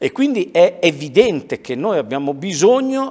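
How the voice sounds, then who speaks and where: The man's pitch swings very widely as he talks fairly slowly against a quiet background. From northern Italy, Ossola (Piedmont); northern Italy. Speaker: politician, senator. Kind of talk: TV interview. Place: studio. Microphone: lapel.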